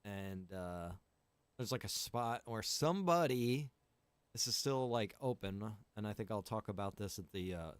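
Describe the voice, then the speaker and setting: A man's voice: fairly low pitch, animated, measured pace, clean tone, no echo. Casual male livestreamer, close dry sound. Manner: rambling, explanatory, informal. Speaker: game livestreamer and roleplay server organizer.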